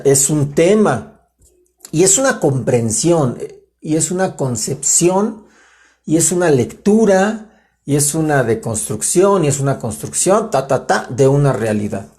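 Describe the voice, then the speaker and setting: Mexican male writer, relaxed animated explainer, casual livestream lesson with asides. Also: a little high. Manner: animated, chatty, self-interrupting with asides to viewers. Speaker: writer giving a live grammar talk.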